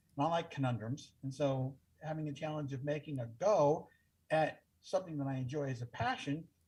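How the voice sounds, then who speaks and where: With ordinary pitch variation, a man talks fairly quickly in a somewhat breathy voice pitched fairly high. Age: 60s. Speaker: retired scientist and photographer. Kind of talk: casual chat.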